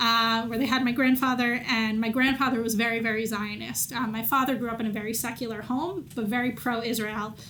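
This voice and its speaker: Fairly high-pitched and bright, sharp in tone, a woman talks at a fairly quick pace with hardly any pauses. Her intonation is monotone and flat, and audible room echo surrounds her. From United States. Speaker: journalist. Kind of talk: lecture Q&A. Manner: hesitant, many fillers.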